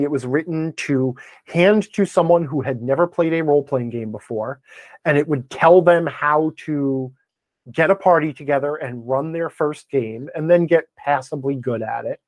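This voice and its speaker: A man's voice: fairly high pitch, no echo. A man speaking as a podcast guest in a conversational interview, wordy and opinionated as he explains things. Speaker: podcast guest, game blogger and author.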